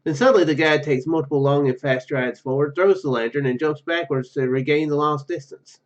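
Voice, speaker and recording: A man's voice: fairly high pitch, steady tone, a little fast, highs cut off. A man reading a visual novel aloud and commenting casually, often stumbling over his words. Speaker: gaming YouTuber.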